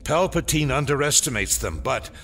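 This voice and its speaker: A man playing a brooding, power-hungry dark lord in a sci-fi audio drama, with a theatrical, ominous delivery. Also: medium pitch, lively intonation, normal speed.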